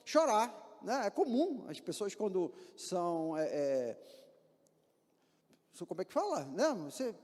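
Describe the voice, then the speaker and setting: A Brazilian pastor delivers a sermon in a church with a high, expressive voice. He fires off rhetorical questions and acts out little scenes as he preaches. His words ring with long reverb from the hall. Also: a little slow. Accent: Brazilian Portuguese. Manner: animated preaching with rhetorical questions and acted-out examples.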